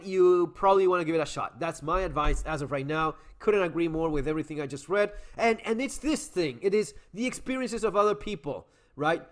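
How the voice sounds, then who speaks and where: A man hosting his channel, reading online comments aloud and reacting with animated, emphatic, casual commentary that includes some swearing. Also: sits high. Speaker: channel host.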